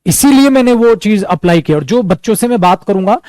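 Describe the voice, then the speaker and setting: A man with an Indian accent and a fairly high voice teaches spoken English. He explains in Hindi, repeats English example sentences slowly, and encourages his students as he goes. The sound is dry, with little room echo. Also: animated, a little mellow. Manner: encouraging, calls students "beta".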